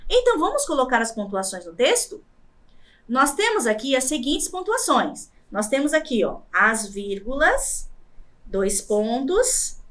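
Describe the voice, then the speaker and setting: Woman teacher, high voice that swoops around a lot, explains slow and keeps asking "right?". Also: a bit bright, echoey room, far from the mic. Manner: slow, explanatory, checks in with "né?" and "certo?". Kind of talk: recorded classroom lesson.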